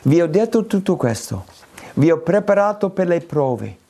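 A man preaching an expository sermon, lifting his voice high when he quotes scripture and prayers. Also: sing-song, normal speed, dark tone. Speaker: pastor.

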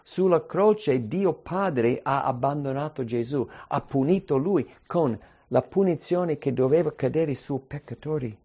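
A man's voice: fairly high pitch, lively intonation, unhurried, hardly any pauses, dark tone, breathy edge, muffled recording. A man preaching a sermon with emphasis, using many rhetorical questions.

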